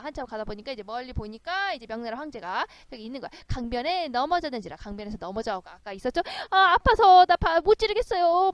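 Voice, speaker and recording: Woman literature tutor, high voice, dry close sound, animated lecturing that acts out the story's lines. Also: no room sound.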